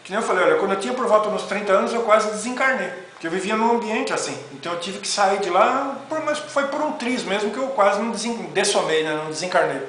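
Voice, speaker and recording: Middle-aged man with a high voice in a very echoey room. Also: fast, hardly any pauses, a bit bright. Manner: rambling, repeats "né?" often. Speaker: spiritual teacher. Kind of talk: informal spoken lecture. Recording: very echoey room with faint noise.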